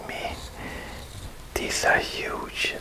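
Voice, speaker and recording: A very slow whisper. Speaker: home banana plant grower, ASMR channel host. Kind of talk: casual talk to camera, gardening update. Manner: whispered, soft-spoken. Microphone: phone near.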